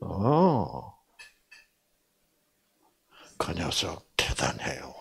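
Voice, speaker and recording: A man's voice: very slow, vocal fry. An older man giving a Bible lecture, telling a family story and acting out the quoted voices with big swings. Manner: animated, acts out quotes with big pitch jumps.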